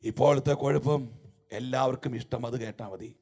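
A man preaching a sermon, swinging between emphatic shouted lines and low, wry, mocking asides as he tells humorous stories. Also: steady tone, moderate pace.

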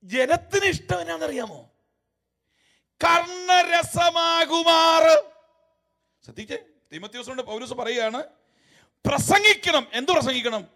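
Man, preacher, sermon, very high voice, loud emphatic bursts, low wry asides, mocking humor. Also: animated, measured pace, pauses often.

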